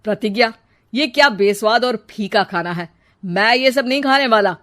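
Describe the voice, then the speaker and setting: A woman's voice: fairly high pitch, moderate pace, fairly bright tone, close to an everyday voice. A woman voicing a young man who complains to his mother and scolds his wife in a cartoon story. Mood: scolding. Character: young man, annoyed grown son.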